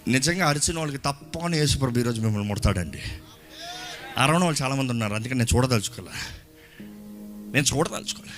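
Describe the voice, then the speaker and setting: A man preaching a lively sermon to his congregation in a church, shouting at times and mixing in English phrases. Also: mid-range voice, fast, pauses often, over music. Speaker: pastor. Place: church hall.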